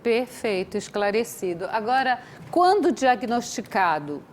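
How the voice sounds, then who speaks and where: A woman hosting a TV interview show. She asks questions in a lively, chatty way and sums up the popular myths she has heard. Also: fairly high pitch, a little slow, a little hiss or hum. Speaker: TV interview host. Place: TV studio desk.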